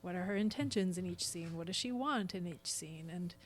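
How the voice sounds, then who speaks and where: A woman's voice: lowish voice, a little fast. A middle-aged woman speaking as a podcast guest, explaining things earnestly in a conversational way. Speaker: podcast guest, stage actor. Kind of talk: conversational interview.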